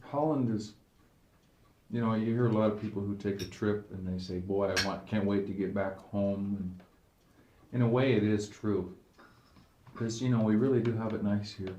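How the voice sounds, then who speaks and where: A man's voice: fairly low pitch, steady tone, moderate pace, long pauses, warm tone. A man in a casual, informal home chat, acting as the visiting interviewer. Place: indoors in a home. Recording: echoey room with clear background noise.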